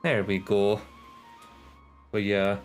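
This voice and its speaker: A man's voice: fairly low pitch, flat delivery, slow. A man giving casual, slangy live-stream commentary on a video game, with muttered asides. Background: game music.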